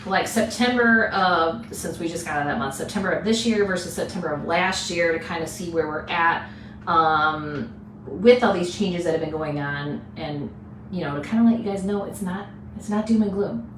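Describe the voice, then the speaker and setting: This woman, a real estate agent, co-hosts a casual chat show, speaking at a normal pace in a voice on the low side. She's chatty and teasing and laughs easily. The room is echoey, the mic sits at a distance, and there's faint hiss.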